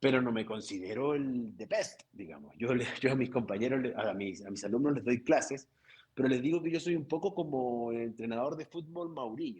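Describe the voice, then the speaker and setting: With lively intonation and big swings in loudness, a man talks at a moderate pace in a medium pitch. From Chile, Patagonia (Punta Arenas). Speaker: voice actor and dubbing director. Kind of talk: interview. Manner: energetic.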